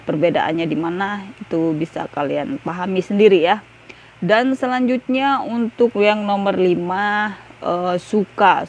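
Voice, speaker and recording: A woman's voice: fairly low pitch, a little mellow. A young woman giving a casual video lesson on words, chatty and full of fillers. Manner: chatty, repeats "ya guys", many fillers. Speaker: language tutor.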